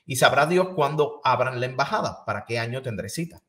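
A man's voice: medium pitch, animated, a little fast, a bit bright. A man in his thirties hosting a news show, interviewing a guest and reading viewer questions aloud at a studio mic. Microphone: studio microphone on boom.

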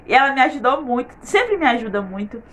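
A woman's voice: high voice, very animated, quick pace, a bit bright, a little hiss or hum. A woman giving an earnest faith testimony in her vlog, repeating words for emphasis.

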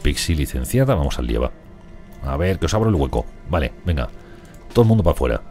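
A man's voice: extremely low pitch, big pitch swings, fast, a little mellow, faint music behind. A man with a Spain Spanish accent giving rambling, chatty gameplay commentary and talking to his characters. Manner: rambling, chatty, talks to colonists. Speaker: gaming streamer. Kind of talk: casual let's play commentary.

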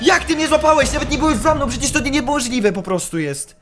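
A young man commenting on a horror game he is playing, excitable, yelping when startled and muttering while he sneaks. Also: very high voice, fast, soft background music. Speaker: gaming YouTuber.

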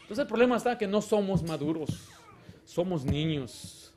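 A man delivering a sermon as a pastor, his voice sitting a little higher than most men's. He swings from loud exclamations to quiet, confiding asides and acts out the people he quotes. A faint hiss sits behind him. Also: expressive, moderate pace. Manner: acts out children and church members in quoted lines.

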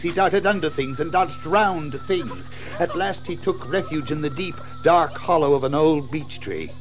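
Expressive male storyteller. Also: a little high, low-quality recording. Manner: theatrical, suspenseful. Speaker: narrator. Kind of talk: dramatic scripted storytelling.

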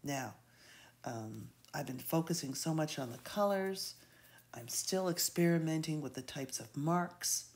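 Very deep, slow-paced woman, congested from a cold, rambling art-tutorial voice-over with lots of ums. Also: animated, darkish tone. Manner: rambling, hesitant, many fillers. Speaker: art instructor. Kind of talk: unscripted painting tutorial voice-over.

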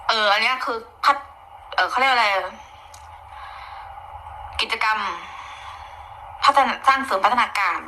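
Woman, Isan accent, gossip commentator, bright fairly high voice, chatty and opinionated, faint noise behind. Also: poor audio. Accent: Isan (Northeastern Thai). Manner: chatty, opinionated, mixing in Isan dialect, bursts of exclaiming. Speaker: online commentator.

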